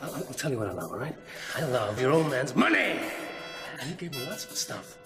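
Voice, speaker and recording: Greedy taunting husband, swooping voice, roomy sound. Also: male voice, medium pitch, sing-song, brisk, over loud music. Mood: sneering menace. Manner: taunting, sneering. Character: greedy, mocking husband, menacing. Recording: roomy with loud film score.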